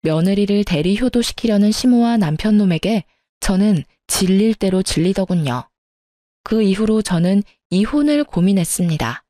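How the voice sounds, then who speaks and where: A woman narrating a personal story in a steady, matter-of-fact way. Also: medium pitch, normal speed, no room sound, studio quality. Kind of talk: scripted narration.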